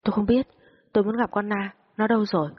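A woman's voice: steady tone, a little fast, husky, lo-fi sound, lightly acted. A woman voicing a frightened young woman who pleads while crying, her voice rising. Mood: tearful pleading. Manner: pleading, higher and tearful. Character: frightened young woman under police questioning.

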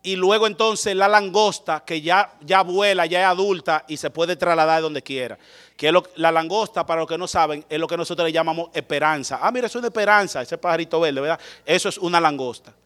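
A man preaching, his voice pitched high and ringing bright. He swings from loud calls to quiet, low asides as he speaks to his congregation in a dramatic sermon. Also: fairly even intonation, fairly quick.

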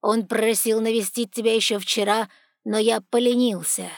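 A woman voicing a proud, sardonic male talking raven with a hoarse, croaking voice and a slow, cold, mocking manner. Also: fairly high pitch, fairly even intonation, no room sound, studio quality, natural voice. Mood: curt, aloof. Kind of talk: audiobook character voice.

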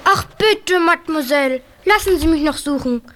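A woman's voice: sits high, expressive, moderate pace, a bit bright. An actress voicing a cheeky, playful schoolgirl in a children's radio play, coaxing and sweetly pleading. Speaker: Hilda, boarding-school girl.

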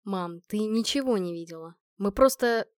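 A woman voicing a shy, earnest young man in a storybook reading, speaking low and hesitantly. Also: moderate pace, no echo, clean studio sound, natural voice. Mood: tender.

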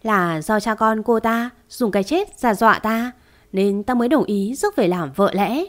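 A woman's voice: a little high, moderate pace, lightly acted. A woman reading as Mr. Cao, an older man. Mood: defensive. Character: older man, wealthy family head, pleading.

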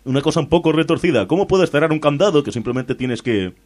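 A man hosting a comedy show, delivering satirical news commentary in a sardonic, deadpan way. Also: fairly high pitch, fast. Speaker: host.

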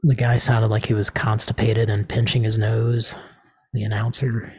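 A man hosting a casual comedy talk show, rambling with deadpan crude jokes. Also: fairly low pitch, moderate pace, breathy edge, no room sound. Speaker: host.

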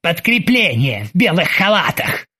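A man voicing a ship captain with a husky voice and dry, sarcastic commands. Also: sits high, sing-song, measured pace, bright, forceful tone, heavily acted. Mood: ironic.

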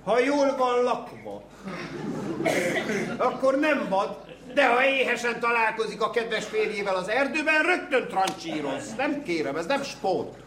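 An actor playing a glib, fast-talking gentleman caller in an old radio cabaret sketch, smooth-talking and evasive. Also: extremely high pitch, animated. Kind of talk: 1930s radio cabaret acting. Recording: echoey, hissy old radio recording.

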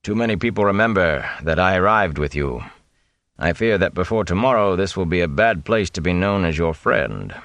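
Minstrel: a man playing a wry, wary old traveler, low and measured, dry. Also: animated, fairly bright tone, no room sound.

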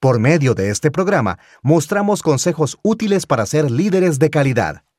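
Male radio announcer, polished scripted intro, animated and fairly high, dead-dry studio sound. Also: normal speed, dry recording. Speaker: radio show host. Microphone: studio microphone.

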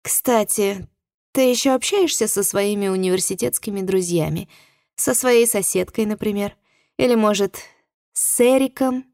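A woman's voice: mid-range voice, moderate pace, darkish tone, dry recording, clean studio sound, voice pushed up, lightly acted. A woman voicing a mocking young woman who taunts with snide questions in an audiobook. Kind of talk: audiobook character voice.

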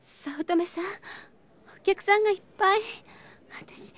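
A woman voicing a sweet, earnest high school girl in an anime-style audio drama. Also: a little slow, fairly bright tone. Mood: nervous.

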